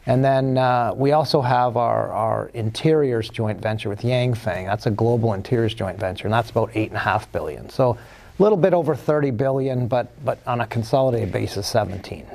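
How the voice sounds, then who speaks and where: A man guest on an interview show, speaking with a gravelly, creaky edge. He talks in a hesitant way, full of fillers and restarted phrases. His pitch sits in an ordinary middle range. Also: a little fast, darkish tone. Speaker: company executive guest. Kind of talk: casual interview answers.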